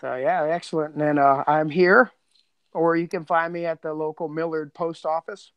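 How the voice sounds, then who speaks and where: A man's voice: on the high side, level tone, moderate pace, smooth, dry recording, muffled recording. A middle-aged man co-hosting a podcast, chatting casually in a rambling, slangy, joking way. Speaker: podcast co-host and co-creator. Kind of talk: casual chat.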